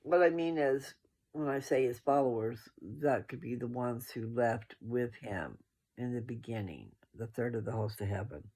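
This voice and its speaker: A man's voice: medium pitch, normal speed, darkish tone. A sleepy man casually talking through scripture for his followers in a folksy, rambling way, often correcting himself. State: sleepy, yawning. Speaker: host reading and discussing scripture.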